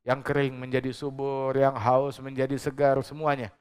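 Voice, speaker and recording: A man's voice: medium pitch, little pitch movement, normal speed, smooth. A male preacher giving a religious lecture to a congregation in a mosque, speaking emphatically and asking rhetorical questions with joking asides. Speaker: Islamic preacher.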